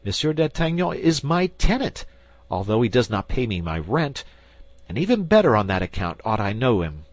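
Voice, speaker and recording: A man's voice: sing-song, moderate pace, no room sound. A man voicing a frantic, fawning landlord, Bonacieux. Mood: indignant. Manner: pleading, panicky, high and whining. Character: frantic, fawning middle-aged male landlord. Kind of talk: audiobook character voice.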